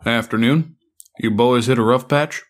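A friendly rural rider with a folksy, easygoing way of talking, as a man plays him. He gives directions calmly and helpfully. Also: mid-range voice, normal speed, natural voice.

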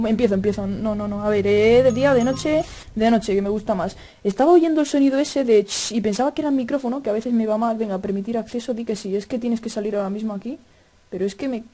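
A male gaming YouTuber with a Spain Spanish accent, doing excitable horror let's-play commentary at a desk microphone, swearing often and yelling at scares. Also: very high-pitched. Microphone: desk microphone at a computer.

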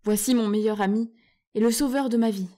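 A woman's voice: fairly high pitch, steady tone, fairly quick, dark tone, close to an everyday voice. A woman voicing a young male king giving orders in a storybook reading. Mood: commanding. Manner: commanding, proclaiming.

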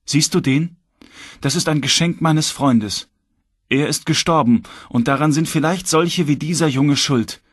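Guy reading a cold hard young magician, dead sure of himself, husky voice, dry sound. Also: on the high side, measured pace, no room sound. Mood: stern. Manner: stern, unwavering conviction. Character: cold uncompromising young male light magician.

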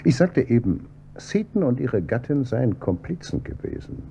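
An actor playing a calm, probing police inspector who heads homicide in a radio drama, with a dry, measured delivery. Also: male voice, mid-range voice, gravelly. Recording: dull, slightly noisy audio with hum.

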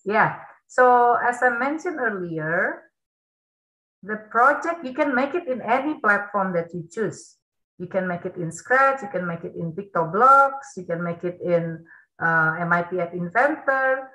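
A woman's voice: medium pitch, animated, a little slow, bright, forceful tone, roomy sound, rough recording. A woman, hosting a webinar for kids and explaining things in a friendly way. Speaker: workshop host. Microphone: video call.

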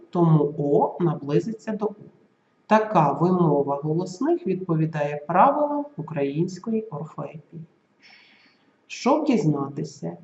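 A teacher giving a school video lesson, spelling out example sounds and words slowly and carefully. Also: medium pitch, dark tone. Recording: roomy, slightly dull recording.

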